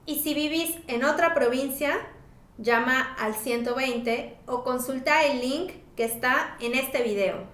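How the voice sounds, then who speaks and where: Slow, clear woman teaching. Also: high voice, a bit bright, echoey room. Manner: slow, careful enunciation for learners. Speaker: Spanish teacher. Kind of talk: slow scripted language lesson.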